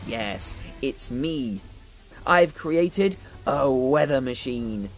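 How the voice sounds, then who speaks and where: A woman's voice: extremely low pitch, lively intonation, pitched below the performer's own voice, exaggerated voice. A woman voicing a smug, scheming boy mad scientist who gloats and boasts in a children's toy story. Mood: gloating. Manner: gloating, boastful, drawn-out cackles. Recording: music behind the voice.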